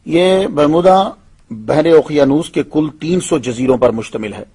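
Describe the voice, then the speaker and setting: A man who is an Islamic scholar, calling into a radio show over a phone line and giving a measured religious lecture. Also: a little high, expressive, mellow, husky. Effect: heard over a phone line into a radio show.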